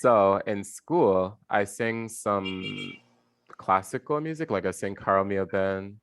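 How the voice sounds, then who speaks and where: Deep-voiced man chatting with his teacher. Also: takes it slowly, smooth, no room sound. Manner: relaxed, rambling with many "like"s, laughs at himself. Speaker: voice student. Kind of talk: casual chat with a teacher. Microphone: video call.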